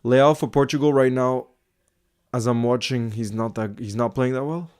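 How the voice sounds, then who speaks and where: A man chats through a live football stream at an ordinary middle pitch, reading comments and answering them as they come. He thinks out loud, circles back to fix his words and keeps an easygoing, conversational flow. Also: normal speed, smooth. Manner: chatty, thinks aloud with restarts and filler asides.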